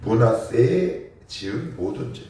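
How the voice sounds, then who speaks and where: A man, a pastor, preaching at a morning prayer service, animated and emphatic, with rhetorical questions to the congregation. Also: mid-range voice, takes it slowly. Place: church sanctuary. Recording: echoey church hall, mic at a distance.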